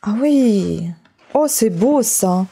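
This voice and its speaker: A woman with a Russian accent, a native Russian speaker, chatting casually and a little haltingly as she thinks aloud for a craft vlog. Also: mid-range voice, expressive, vocal fry, mellow, husky. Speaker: craft vlogger. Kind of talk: casual unboxing chat while leafing through a book.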